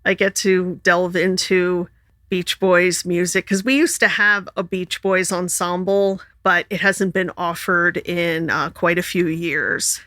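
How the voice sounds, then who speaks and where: A woman's voice: steady tone, takes it slowly, fairly bright tone, no echo, clean studio sound. A woman co-hosting a podcast, chatting casually and laughing often. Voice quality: sings alto and high tenor. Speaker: podcast co-host. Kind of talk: casual chat.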